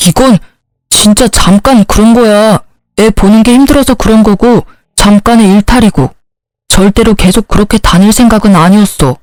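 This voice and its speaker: A woman's voice: medium pitch, normal speed, a little mellow, no room sound, lightly acted. A woman voicing a selfish young husband in a read-aloud story, arguing in an indignant, dismissive way. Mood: resentful. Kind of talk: storybook dialogue reading.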